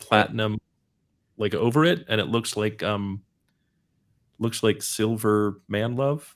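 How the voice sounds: A man with a fairly low pitch, a fairly slow pace, ordinary pitch variation and long, frequent pauses.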